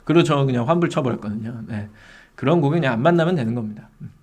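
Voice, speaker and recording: A man's voice: medium pitch, expressive, rapid-fire, a little mellow, slightly rough. A man who teaches online sellers, lecturing casually and often adding tag questions for agreement. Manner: chatty, rhetorical tag questions. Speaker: seller education instructor.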